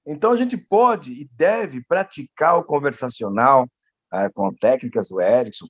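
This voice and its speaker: A man with a slightly high voice chats casually, telling an emphatic story. The sound is dry and dull, like an online call. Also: dry recording. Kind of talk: casual chat.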